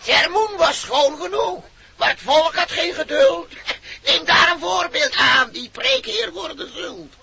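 A man playing a mocking, heckling creature in a radio play, with a shrill, creaky voice. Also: lively intonation, measured pace, exaggerated voice. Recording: dull, distant old radio recording. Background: music.

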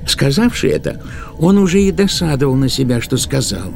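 A man's voice: medium pitch, sing-song, moderate pace, vocal fry, soft background music. A man narrating a literary tale as the storyteller of an audio play.

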